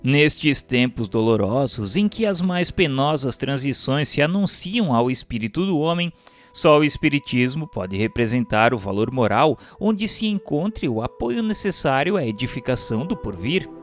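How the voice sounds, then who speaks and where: A man's voice: mid-range voice, big pitch swings, moderate pace, soft background music. A Brazilian man reading a religious text as solemn scripted narration, in a formal, declamatory manner.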